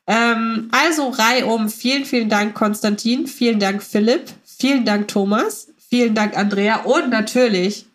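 A woman's voice: on the high side, measured pace, few pauses. A woman hosting a casual group podcast, chatty and organized as she passes the word to each guest in turn. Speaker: podcast host. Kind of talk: casual moderated group chat.

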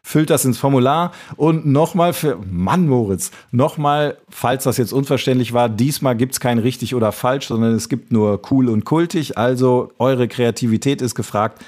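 A man's voice: medium pitch, normal speed, hardly any pauses, a little mellow. A man hosting a podcast in casual chat, rambling with many fillers. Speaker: podcast host.

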